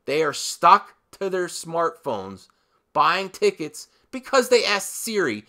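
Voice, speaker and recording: A man delivering an opinionated video commentary in an emphatic manner, leaning on dramatic pauses and repeated phrases. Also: a little high, very animated, sharp tone. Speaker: host of a movie commentary channel.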